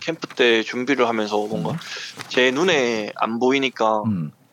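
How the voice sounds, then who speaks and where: A man at a medium pitch, with ordinary pitch variation and a very slow pace. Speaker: professional baseball pitcher. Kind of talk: casual interview. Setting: phone call. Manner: laid-back.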